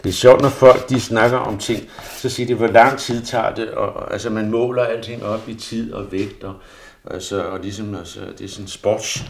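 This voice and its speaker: Artist, male, low gravelly voice, rambles and mutters to himself while drawing. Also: steady tone. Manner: rambling, self-murmuring, often drops to a near mutter. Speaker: artist demonstrating pastel drawing. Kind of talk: thinking aloud while drawing.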